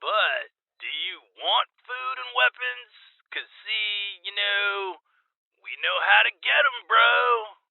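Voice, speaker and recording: An actor playing an over-eager, weird gang bro who insists he is normal, pitching on a tinny radio spot in an audio drama. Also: expressive, slow, creaky, no room sound, full character voice. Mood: shifty, boastful. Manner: over-eager dude-bro, peppers talk with amigo and bro. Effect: tinny radio filter. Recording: tinny narrow-band radio sound.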